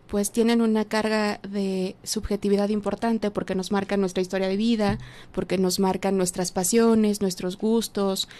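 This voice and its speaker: A woman's voice: medium pitch, dark tone. A woman moderating an interview, asking formal questions in a polite, slightly hesitant way. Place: university auditorium.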